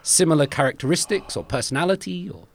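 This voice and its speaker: A man's voice: a little high, expressive, quick pace. A man interviewing an elderly guest, curious and encouraging, often affirming what he hears. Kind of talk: oral history interview.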